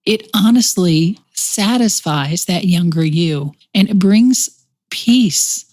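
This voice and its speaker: Gentle Texan woman, lowish voice. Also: lively intonation, slow pace. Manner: gentle, reassuring, reflective. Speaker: podcast host. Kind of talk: conversational podcast chat.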